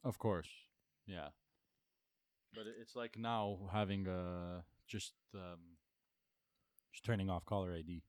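A man co-hosting a casual podcast, teasing and blunt in his replies. His voice is low and smooth, heard close with no room sound. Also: fairly even intonation, darkish tone, no room sound. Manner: teasing, blunt, quick reactions. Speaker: podcast co-host. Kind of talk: casual chat.

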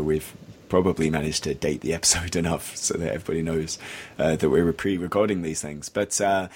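A man hosting a podcast, husky from a recent cold, friendly and a little hesitant with fillers. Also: rumbling low. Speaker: podcast host. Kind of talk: casual podcast interview.

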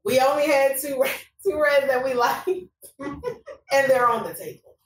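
A woman's voice: sits high, measured pace. A woman co-hosting a casual wine podcast, running a playful quiz and laughing often, recorded around a table. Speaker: podcast co-host. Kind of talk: casual chat over wine. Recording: roomy, distant mic, faint noise.

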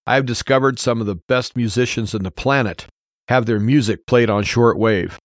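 A man's voice: medium pitch, normal speed, no room sound, studio quality. An American man hosting a radio show, talking informally and giving his opinions in an earnest, plain-spoken way, often repeating points for emphasis.

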